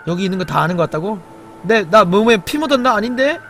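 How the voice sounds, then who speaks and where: A young man streaming a survival game, chatting with viewers, muttering to himself and crying out loudly when startled. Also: expressive, quick pace, faint music behind. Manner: jumpy, exclaims loudly when startled, then mutters low; chats with viewers and reads the chat. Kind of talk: live game commentary.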